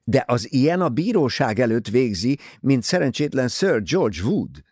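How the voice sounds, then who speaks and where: A man's voice: medium pitch, very animated, a little mellow, breathy edge, no room sound, studio quality, pitched above the performer's own voice. A man voicing a prim, disapproving older English mother in an audiobook, scolding and easily offended.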